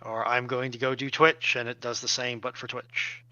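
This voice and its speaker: A man of medium pitch talks casually on a livestream panel. His voice has a forceful, bright edge, though the close, dry audio is a little dull and lo-fi. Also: flat delivery, moderate pace, clear, resonant tone, no room sound. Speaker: livestream panellist and tech helper. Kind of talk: casual chat.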